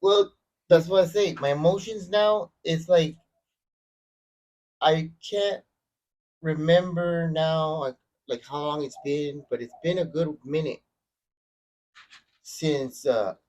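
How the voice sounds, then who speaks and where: A man in a casual podcast chat, telling his story in a halting, roundabout way and swearing now and then. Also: fairly high pitch, a little mellow, muffled recording. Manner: halting, many fillers and restarts, swears. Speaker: podcast guest.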